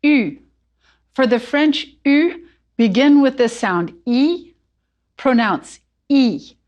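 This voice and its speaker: Woman teacher, slow careful pace, slightly higher voice, patient explanations. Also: animated, darkish tone, highs cut off. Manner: clear, patient, instructive. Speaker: language teacher. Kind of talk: explaining pronunciation in English.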